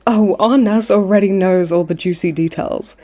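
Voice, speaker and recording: Smug, mellow-voiced flirty villainess played by a woman. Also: mid-range voice, moderate pace, lightly acted. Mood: teasing. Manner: teasing, mock-sweet, theatrical taunting. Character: smug flirtatious female supervillain in her late twenties, hospitalized. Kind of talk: comedic audio roleplay acting.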